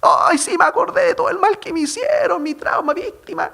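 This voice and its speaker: A man's voice: extremely high pitch, big pitch swings, brisk, creaky, bright, forceful tone, voice pushed up, heavily acted. A man putting on the voice of a self-pitying grown man who whines about past wrongs, in a mocking sing-song way during a sermon. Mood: whiny.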